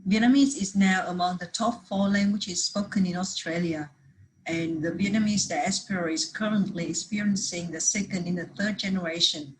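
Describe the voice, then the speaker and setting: A woman's voice: fairly low pitch, moderate pace, slight background noise, rough recording. A woman presenting a research paper at a conference, reading steadily from prepared slides with the odd restart.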